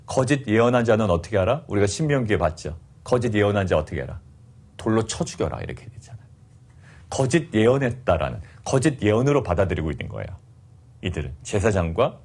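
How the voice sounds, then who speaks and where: A middle-aged male pastor delivers an early-morning sermon, asking question after question and acting out his listeners' indignant replies. His voice is husky. His pitch rises and falls widely as he preaches. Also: darkish tone.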